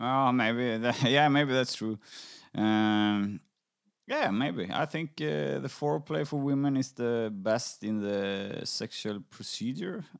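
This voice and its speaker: A man's medium-pitched voice with lively intonation at a very slow pace, on a very clean recording with a silent background. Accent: Swedish. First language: Swedish. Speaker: podcast host. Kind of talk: casual interview. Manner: halting.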